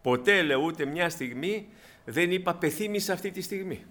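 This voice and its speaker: A man delivers a fervent sermon in a meeting hall, addressing his listeners as brothers. His voice sits a little high for a man. He climbs into loud emphatic bursts and drops into quiet asides. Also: lively intonation. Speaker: preacher.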